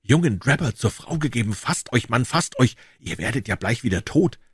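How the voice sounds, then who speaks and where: A man voicing a frightened male Mormon rider in an audiobook, talking in a high, urgent, fearful voice. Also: lively intonation, moderate pace, slightly rough, dry recording, clean studio sound. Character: frightened middle-aged male Mormon rider, anxious and hurried. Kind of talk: dramatic audiobook reading.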